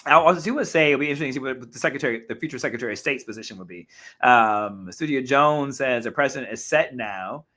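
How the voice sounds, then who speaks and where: Slightly hoarse, animated male talk host. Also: medium pitch, quick pace. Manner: animated, frequent restarts and self-corrections. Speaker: talk show host reading viewer comments. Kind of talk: casual live-stream commentary.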